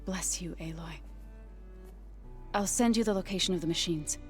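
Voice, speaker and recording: An actress playing an earnest, gentle, devout young tribal woman in a video game cutscene. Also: fairly low pitch, normal speed, soft background music, natural voice. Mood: hopeful.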